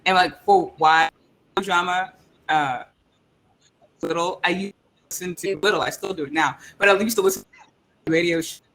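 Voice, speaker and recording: A man speaking casually as a panelist, halting and searching for his words. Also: sits high, pushed and bright, rough recording. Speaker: panelist, playwright.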